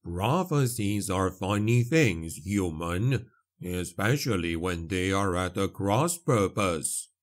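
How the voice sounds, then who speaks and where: A man voicing a solemn, cryptic male dwarf priest in a fantasy audiobook, making measured, portentous pronouncements. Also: low voice, animated.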